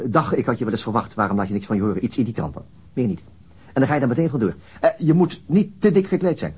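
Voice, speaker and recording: A very raspy male voice as a senior detective in a radio play. He speaks briskly and tersely, like someone used to giving orders. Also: mid-range voice, a little mellow. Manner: terse, instructing. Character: terse, commanding male police chief detective. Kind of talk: Dutch radio drama acting.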